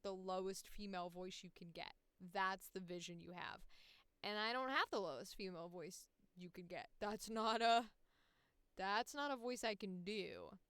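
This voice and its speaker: A woman's voice: medium pitch, a bit bright, smooth, no echo. A woman chatting casually on a livestream as a voice actor, with a slangy, profane and passionate way of talking. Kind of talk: casual livestream chat while working.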